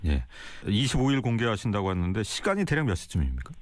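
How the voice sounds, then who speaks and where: A man's voice: lowish voice, sing-song, quick pace. A man hosting a formal radio interview, asking questions in an orderly, polite broadcast manner.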